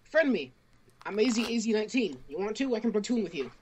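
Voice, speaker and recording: Woman chatting casually, lively pitch swings. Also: quick pace, slight background noise. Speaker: guest co-reader reacting to a story. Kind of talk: casual chat.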